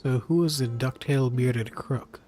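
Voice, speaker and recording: A man's voice: mid-range voice, unhurried, mellow, a little hiss or hum, lightly acted. A man playing a laid-back, wry young traveler in a video game, with a casual way of talking. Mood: matter-of-fact. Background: music.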